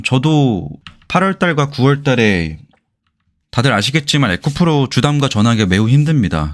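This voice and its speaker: A man giving explanatory commentary in an informal way, as the host of an investment channel. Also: mid-range voice. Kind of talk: explanatory commentary on company earnings.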